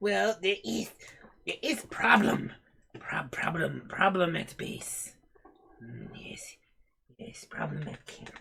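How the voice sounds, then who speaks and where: A raspy, put-on character voice moves at a fairly slow pace, broken by long, frequent pauses. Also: man. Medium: actual play. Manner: broken grammar, halting repetition.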